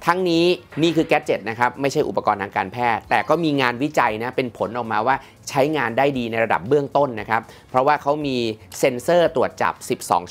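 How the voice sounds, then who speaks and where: A man presenting a smartwatch review in a chatty, lively way, with many polite fillers. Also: mid-range voice. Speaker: tech reviewer.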